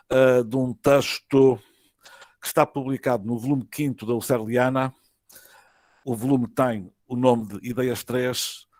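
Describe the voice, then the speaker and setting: Portuguese man lecturing in measured phrases. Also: mid-range voice, a little mellow, no echo. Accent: European Portuguese. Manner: measured, formal, phrase by phrase with hesitations. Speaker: university professor, conference lecturer. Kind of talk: academic lecture read from a prepared text. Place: online web conference.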